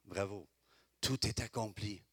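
A middle-aged man with a Québécois French accent preaching a sermon as pastor, swinging between loud exclamations and quiet, confiding asides. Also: fairly low pitch, unhurried, vocal fry, husky, no echo.

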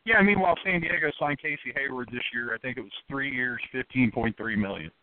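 A man hosting a sports radio panel, firing off quick questions and sarcastic asides. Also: medium pitch, no echo. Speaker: show host. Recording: dry, phone-like narrow band.

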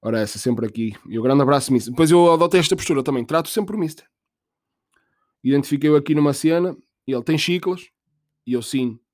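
A man's voice: a little high, fast talker, darkish tone, no echo. Joking European Portuguese man, dry sound. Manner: rambling, profane, jokey, self-mocking. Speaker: podcast host. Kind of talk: casual comedic monologue.

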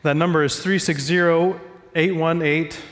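A man's voice: a little high, steady tone, normal speed, in a large hall. A man preaching a sermon as pastor, stuffy from a cold, talking in a conversational, self-joking way from a church stage.

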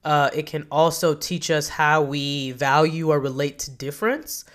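A woman's voice: sits low, normal speed. A woman in her thirties with a nasal, stuffed-up voice from a cold, talking enthusiastically and chattily as a podcast host. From Kentucky, US. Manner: enthusiastic, chatty, self-correcting. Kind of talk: solo podcast monologue.

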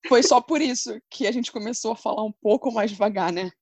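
A woman from Brazil, co-hosting a casual chat podcast in a relaxed, conversational way. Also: on the high side, fairly quick, no room sound. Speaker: podcast co-host.

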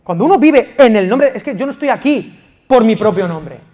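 High-voiced Spanish pastor preaching with passion. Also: male voice, lively intonation, fairly quick. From Spain. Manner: passionate, swings from loud emphatic to quiet intimate. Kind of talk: sermon. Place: church in Valencia.

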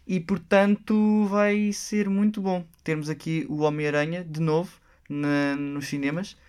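A man's voice: a little high, steady tone, unhurried, darkish tone, clean tone. A man with a European Portuguese accent hosting a casual radio chat, prompting his co-host with questions.

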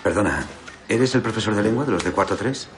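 A friendly history teacher, played by a man, chatting easily with a colleague. His voice is very low, with a faint hiss behind it. Dubbed film dialogue. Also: fast talker, close to an everyday voice. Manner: casual, collegial.

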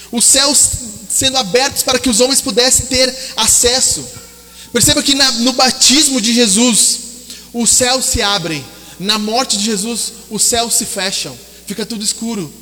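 A man preaching a sermon, telling stories dramatically and dropping low and soft for quoted voices. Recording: long reverb hall.

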